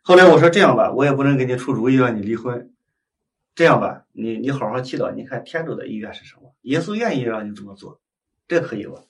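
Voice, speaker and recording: A man preaching as a Catholic priest, telling a story with lively acted-out dialogue and frequent tag questions to his listeners. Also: mid-range voice, fast. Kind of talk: storytelling sermon. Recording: voice heard from a distance.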